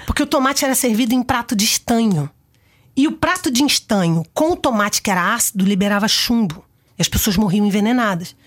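A middle-aged Brazilian woman with a Brazilian accent, a guest on a talk show, telling stories in a lively, expressive way into a studio mic. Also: fairly high pitch, fairly quick. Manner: animated, expressive storyteller. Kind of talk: casual conversational interview. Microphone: studio microphone.

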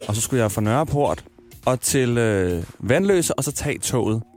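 Chatty radio host. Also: male voice, medium pitch, animated, a little mellow, soft background music. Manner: storytelling, acts out quotes. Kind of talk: casual chat.

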